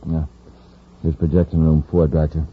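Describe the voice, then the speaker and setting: A man's voice: extremely low pitch, level tone, normal speed, a little hiss or hum. A man playing a blunt, ruthless criminal henchman in an old radio drama. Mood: conspiring. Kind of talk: 1950s radio drama acting. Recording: dull lo-fi old radio recording.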